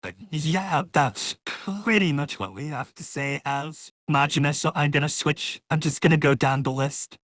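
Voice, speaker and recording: A woman talking casually through a software demo, her voice converted by a real-time voice changer into a masculine one. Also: low voice, measured pace, no echo. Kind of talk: casual live software walkthrough.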